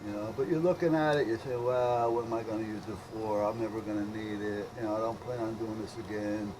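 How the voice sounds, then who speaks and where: A man's voice: on the low side, fairly even intonation, fast, background noise. A middle-aged or older man rambling casually and thinking aloud as he films an unscripted repair video. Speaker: electronics repair hobbyist showing his work.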